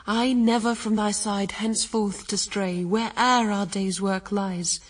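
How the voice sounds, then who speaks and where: A woman's voice: mid-range voice, a little mellow, recorded from a distance, low-quality recording. An actress playing the first woman, a humble, penitent and devoted wife, speaking solemn verse in a radio drama. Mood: resigned, tender.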